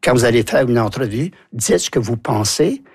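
An older man from New Brunswick with an Acadian French accent, a former journalist telling lively stories in an interview. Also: medium pitch, normal speed, slightly rough, dry recording, studio quality. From New Brunswick, Canada. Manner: lively anecdotal storyteller, acts out quotes. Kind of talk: storytelling interview.

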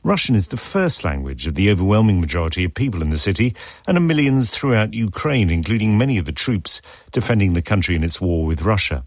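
A man presenting live radio news, reading headlines and introducing reports in a measured, formal way. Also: low voice, very animated, dry recording, studio quality. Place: broadcast studio. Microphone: studio microphone.

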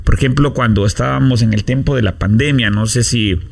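A man hosts a radio talk show from the station booth. He speaks at a middle pitch, earnest and unhurried, and stops now and then to hesitate or fill a pause. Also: creaky, a little mellow. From Guatemala. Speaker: radio host.

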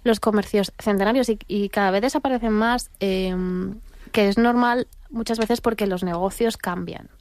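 A woman's voice: medium pitch, moderate pace, darkish tone. A woman, a museum worker and author, answering interview questions thoughtfully, with fillers and self-corrections.

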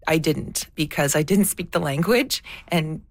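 Low, gravelly woman, reflective interview. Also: a little slow, no echo. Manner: thoughtful, searching for words, many fillers and restarts. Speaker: documentary filmmaker, guest.

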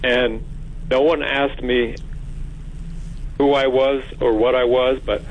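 A man in his seventies calls in over a landline phone, his voice muffled and narrow through the handset. He talks in an easygoing, rambling way, drifting from one thought to the next at a middling pitch. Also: little pitch movement, slow pace, slight background noise. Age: 70s. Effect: heard over a landline phone. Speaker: radio call-in caller. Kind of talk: casual call-in chat. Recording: dull landline phone line.

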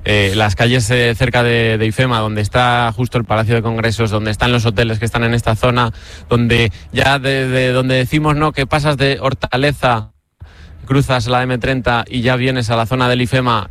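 A man's voice: medium pitch, flat delivery, normal speed, fairly bright tone. A man with an accent from Spain giving a casual live radio report in a chatty way, often repeating his phrases.

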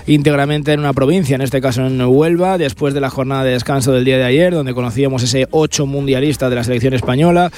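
A man's voice: medium pitch, fast talker, hardly any pauses, a little mellow. Man giving a fluent cycling report. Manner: fluent, detailed race reporting. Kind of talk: live sports report.

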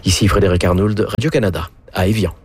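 A man delivers a correspondent's report for radio news. His voice sits fairly low, and the delivery is formal. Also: fairly even intonation, fast talker, darkish tone, slightly rough.

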